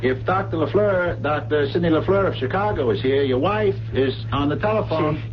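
An American man acting in a 1970s radio drama as a wry, probing man with a dry, sardonic, deliberate manner. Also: fairly high pitch, close to an everyday voice. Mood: needling. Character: wry, probing man at odds with his woman companion. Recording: dull, noisy 1970s radio recording.

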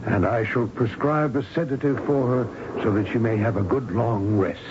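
An actor playing a smooth, solicitous doctor at a sinister clinic in a radio drama, speaking in a hesitant, courtly, patronizing way. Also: male voice, mid-range voice, normal speed, lightly acted. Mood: smooth, insistent. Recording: dull, noisy old radio broadcast.

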